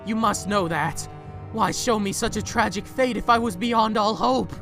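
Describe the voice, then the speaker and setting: A proud rich man brought to repentance, acted by a man, in a high-pitched, forceful voice. He speaks with theatrical, pleading intensity, as in an audio drama, over faint music. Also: normal speed, gravelly. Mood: desperate pleading.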